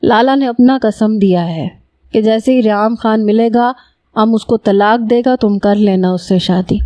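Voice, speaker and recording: A woman's voice: medium pitch, warm tone, no echo, close to an everyday voice. A woman voicing an emotional young Pathan man who speaks Urdu with a Pashto accent and Pashto-style broken grammar. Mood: pleading.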